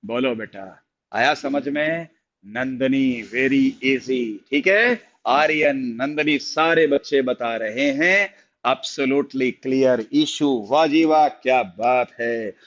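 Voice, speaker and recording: A man's voice: medium pitch, takes it slowly, fairly bright tone, highs cut off. A man with an Indian accent teaching chemistry in a live online class, chatty and encouraging, repeating phrases in a sing-song way. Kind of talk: live online class, reading out student replies.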